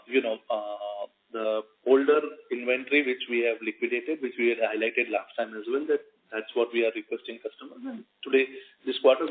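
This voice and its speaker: Male company executive, Indian accent, mid pitch, earnings-call delivery over a narrow telephone connection. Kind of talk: earnings call presentation and answers. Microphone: telephone conference call. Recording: narrow, tinny conference phone line.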